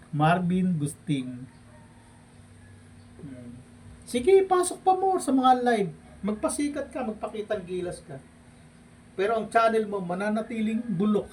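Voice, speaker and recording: A man from the Philippines ranting in a vlog, taunting a rival with laughs and drawn-out hums. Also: high-pitched. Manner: mocking, provoking, with frequent laughs and drawn-out hums. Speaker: vlogger. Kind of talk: taunting livestream rant. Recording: distant mic with faint background noise.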